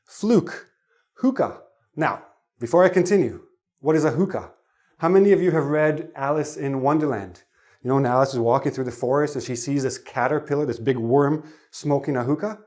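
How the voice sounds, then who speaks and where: A man teaching English pronunciation in a lesson to camera, sounding out words slowly and one at a time, with chatty asides. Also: on the high side, darkish tone. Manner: slow, deliberate word-by-word enunciation with asides.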